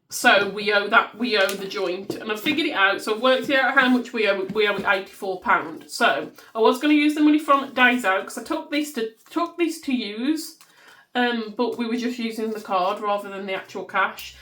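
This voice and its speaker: A woman in her thirties with a Black Country accent talks loudly and casually at her home desk, rambling as she counts notes into envelopes. Her pitch sits in an ordinary middle range. A faint hiss lies under the recording. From West Midlands, England. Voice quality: loud voice. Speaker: budgeting vlogger. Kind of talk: casual chat while counting cash.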